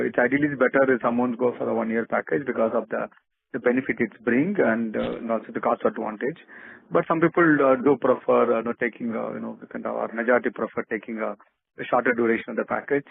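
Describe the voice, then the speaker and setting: An Indian-accented man answers questions as an executive on a narrow, muffled phone conference line. His voice is husky and creaky, and he speaks haltingly, often restarting and repeating words. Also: mid-range voice, dry recording. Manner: halting, repetitive, hedging with restarts. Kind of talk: unscripted earnings call answers. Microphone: telephone conference call.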